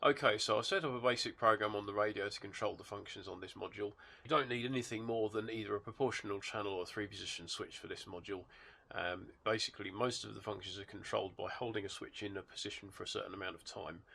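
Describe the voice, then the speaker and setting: A man with a stuffed-up nose from a cold, hosting his channel and calmly explaining a hobby gadget step by step from his workshop. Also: on the low side, fast, gravelly, slightly rough. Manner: explains step by step, relaxed, with hesitations. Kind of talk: casual product demonstration. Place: home workshop with rain outside. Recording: rain and model engine noise behind.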